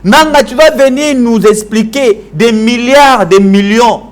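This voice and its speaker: A man's voice: very high-pitched, measured pace. A man from Kinshasa with a Congolese French accent, delivering a combative political tirade on a TV show and switching into Lingala. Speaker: political commentator.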